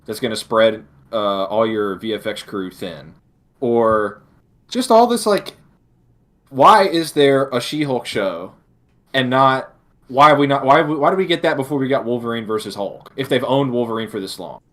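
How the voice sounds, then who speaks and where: A man's voice: medium pitch, lively intonation, normal speed, fairly bright tone. A man co-hosting a podcast, talking casually with strong opinions and an exasperated manner, often repeating and rephrasing his points. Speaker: podcast co-host. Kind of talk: casual opinionated pop-culture discussion.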